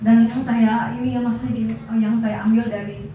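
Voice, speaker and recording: A woman's voice: fairly high pitch, level tone, a little fast, dull audio. A middle-aged woman giving a personal testimony in church, chatty and storytelling with casual fillers, recorded from far off in an echoey hall.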